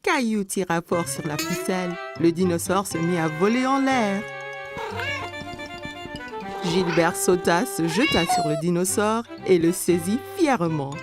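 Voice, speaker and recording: A woman reading scripted narration for a children's cartoon in a clearly phrased storytelling manner. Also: lowish voice, big pitch swings, measured pace. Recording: music behind the voice. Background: background music.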